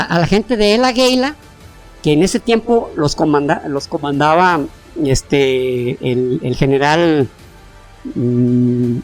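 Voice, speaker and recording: A Mexican-accented podcast co-host rambles through history in a casual, slangy way, restarting sentences often. The pitch swings widely and sounds animated. Soft music sits underneath. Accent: Mexican Spanish.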